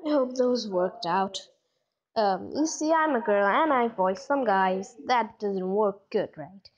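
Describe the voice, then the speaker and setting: A woman's voice: medium pitch, animated, slow pace, highs cut off. A young woman chatting casually and awkwardly, hesitant and self-conscious, as an amateur voice actor. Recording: faint background noise with clicks.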